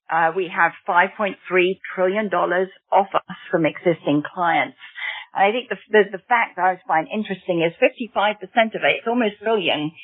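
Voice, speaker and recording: Upbeat woman executive on a tinny phone line. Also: on the low side. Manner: upbeat and assured, with frequent ums. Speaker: bank chief executive answering analysts. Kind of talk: earnings call answers.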